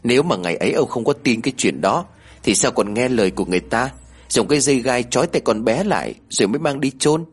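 A man's voice: medium pitch, lively intonation, fast talker, breathy edge. A man voicing a fretful, scolding elderly grandmother in a village ghost story, with a chiding, clucking way of talking. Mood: worried.

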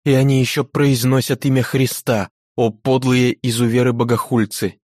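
A man's voice: medium pitch, flat delivery, normal speed, a little mellow, no room sound, studio quality, voice pushed up, lightly acted. A man voicing a young nobleman condemned to death, frantic and pleading. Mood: furious. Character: young desperate nobleman facing execution.

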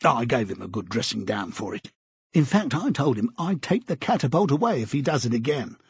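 A man's voice: medium pitch, sing-song, brisk, gravelly, husky, dry recording, heavily acted. A man reading aloud, voicing a bluff, hearty middle-aged man who is an eager busybody, talking in a jovial, chummy, pushy way.

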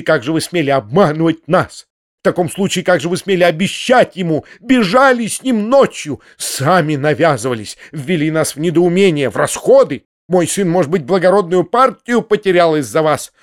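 A man's voice: fairly high pitch, natural voice. A man reading an audiobook, voicing a furious middle-aged noblewoman who scolds and shrieks. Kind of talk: audiobook character voice.

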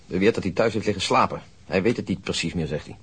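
An actor playing a blunt, skeptical police detective in a crime radio drama, reporting matter-of-factly. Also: male voice, sits low, fast, husky. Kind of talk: audio crime drama acting.

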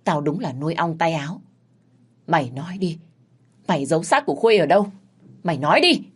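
A woman's voice: sits low, animated, quick pace, darkish tone, husky. A woman voicing a furious older man, master of the house, who scolds harshly in a told story.

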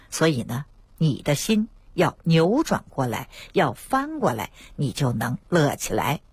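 A woman doctor, telling lively anecdotes about patients on a radio talk show. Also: lowish voice, slightly rough, dry recording. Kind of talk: storytelling health talk on radio.

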